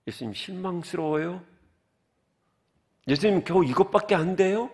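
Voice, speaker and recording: A man's voice: animated, moderate pace, darkish tone. A man voicing a disappointed male disciple who protests in a pleading, exasperated way. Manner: pleading, exasperated, voice rising high. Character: indignant disappointed male disciple, young adult.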